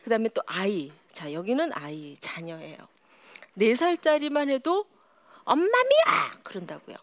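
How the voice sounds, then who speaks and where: A woman giving a lively psychology lecture to a live audience, sometimes dropping to a whisper. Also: medium pitch, normal speed, no echo. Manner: animated, often drops to a whisper.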